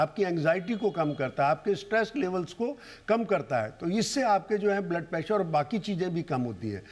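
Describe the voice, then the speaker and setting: A male doctor with a slightly high voice, a guest on a television health panel, explains the benefits one by one. He counts his points off as a numbered list. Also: darkish tone.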